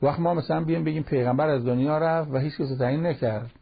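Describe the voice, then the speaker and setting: A man's voice: a little high, creaky, husky. A man giving a conversational sermon on Quran verses in speech, quoting Arabic verses now and then. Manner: plain conversational preaching, quotes Arabic verses. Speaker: cleric giving a Quran commentary talk. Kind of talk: sermon-style Quran commentary. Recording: dull lo-fi broadcast recording.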